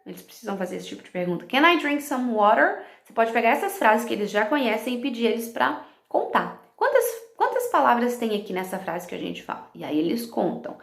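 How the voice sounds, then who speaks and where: Woman teacher, gravelly voice, roomy sound, explains step by step for fellow teachers. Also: on the high side, sing-song, fast. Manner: explanatory, checks in with "ok?" and "tá?", slips into English words. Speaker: English teacher.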